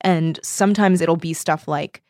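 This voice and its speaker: A woman's voice: low-pitched, fairly even intonation, measured pace, warm tone, dry recording, studio quality. A woman casually discussing books as a co-host, informal and slangy, often acting out reactions with "like". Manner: informal, slangy, peppered with 'like' and quoted reactions. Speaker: book discussion show co-host.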